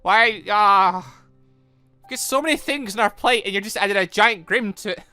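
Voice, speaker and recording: A man giving casual, rambling and excitable commentary while playing a visual novel. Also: high voice, normal speed, soft background music. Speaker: gaming video host reading a visual novel aloud. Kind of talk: casual playthrough commentary with dialogue read aloud.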